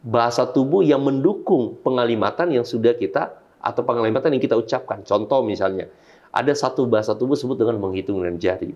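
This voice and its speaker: A man's voice: mid-range voice, fast talker, a little mellow, highs cut off. A man, a public speaking coach explaining his method point by point in an interview, often repeating phrases to demonstrate emphasis.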